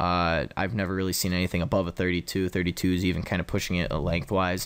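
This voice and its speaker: A man's very deep, low voice. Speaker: music producer teaching a tutorial. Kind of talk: tutorial. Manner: fast; casual, many filler words.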